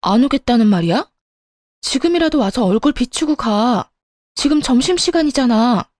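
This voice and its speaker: A woman's voice: fairly high pitch, animated, normal speed, darkish tone, no room sound, clean studio sound, voice pushed up. A woman voicing a tired wife who pushes back against her dismissive husband. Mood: indignant. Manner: pleading then sharply indignant. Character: exhausted, indignant wife, an ER worker in her 30s.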